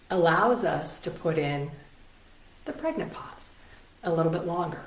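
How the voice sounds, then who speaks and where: A woman in her forties teaching presentation skills from home in a casual, conversational way, full of rhetorical questions. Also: low-pitched. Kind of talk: casual online teaching talk. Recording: echoey room.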